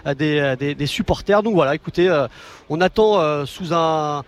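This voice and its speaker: A man's voice: a little high, normal speed. A man reporting live for the news from outdoors on a city street, talking with many fillers and restarts. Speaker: field reporter.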